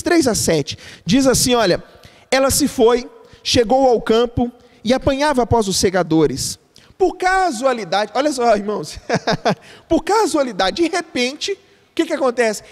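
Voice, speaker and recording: A man with a Brazilian Portuguese accent, a pastor giving an earnest sermon and often calling the congregation brothers. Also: very high-pitched. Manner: earnest preaching that keeps addressing the congregation as brothers. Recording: reverberant church hall.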